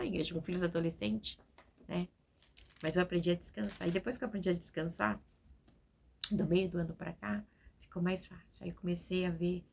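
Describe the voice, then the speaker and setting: A woman's voice: on the low side, gravelly, a little mellow, a little hiss or hum. A woman in her forties, a preacher, speaking from home and giving a spontaneous, talkative testimony sermon that is full of "né?". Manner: spontaneous, talkative, keeps adding "né?".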